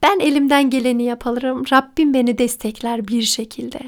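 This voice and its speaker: Recorded very cleanly against a silent background, a woman speaks at a high pitch with fairly even intonation. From Germany. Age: 40s. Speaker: podcast host, life coach. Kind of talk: monologue.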